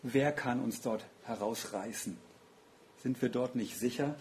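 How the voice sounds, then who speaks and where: A man's voice: medium pitch, measured pace, darkish tone, a little hiss or hum. A man preaching a sermon in an earnest, reflective way, often asking rhetorical questions.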